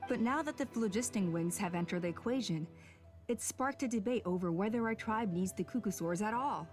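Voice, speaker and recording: A woman's voice: medium pitch, brisk, darkish tone, soft background music, close to an everyday voice. Woman as a cool, calculating tribal official. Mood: cool, measured. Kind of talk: video game character dialogue.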